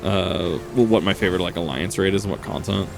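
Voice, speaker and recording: A man's voice: low-pitched, quick pace, gravelly, music in the background. Rambling man chatting over a game. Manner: rambling, many fillers and restarts. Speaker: streamer. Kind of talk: casual gameplay chat.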